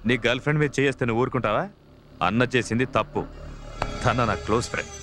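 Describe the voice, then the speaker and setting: An actor playing a cool, defiant gangster in an action film drama. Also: male voice, medium pitch, fast, fairly bright tone, soft background music, lightly acted. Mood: cool, determined.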